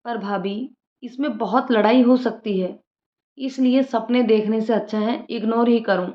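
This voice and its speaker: A woman voicing a young divorced woman who speaks in a soft, earnest and resolute way. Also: on the high side, a little slow, close to an everyday voice. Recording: roomy lo-fi room sound.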